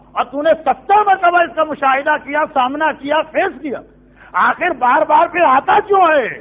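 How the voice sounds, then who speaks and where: Male preacher with a very high voice, narrating a sermon story with quoted dialogue and rhetorical asides, on a tinny, phone-like recording. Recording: tinny phone-like narrow sound.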